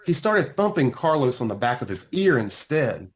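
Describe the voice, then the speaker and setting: A man reading a children's storybook aloud as its author, with deliberate, dramatic emphasis. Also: mid-range voice, very animated. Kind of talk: expressive children's storybook narration.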